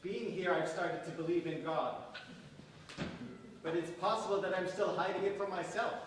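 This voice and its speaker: A man's voice: sits high, fairly even intonation, moderate pace, recorded from a distance, close to an everyday voice. A man in a staged reading playing a sincere, troubled liberal poet, earnest and defensive. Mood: hesitant confession. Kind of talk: staged reading, dramatic dialogue. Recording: very echoey stage from afar, noisy.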